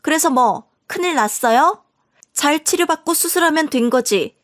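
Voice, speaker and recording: A woman's voice: sits high, expressive, normal speed, a bit bright, pitched above the performer's own voice. A woman voicing a rude, shameless young sister-in-law who talks in a brash, entitled way. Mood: defiant.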